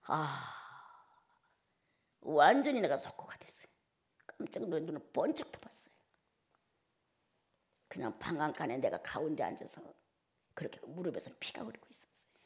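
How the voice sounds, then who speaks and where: A woman preaching a Sunday sermon, telling a personal testimony with emotion and swinging between loud declarations and hushed whispers. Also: low-pitched, big pitch swings, normal speed, pauses often. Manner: emotional storytelling.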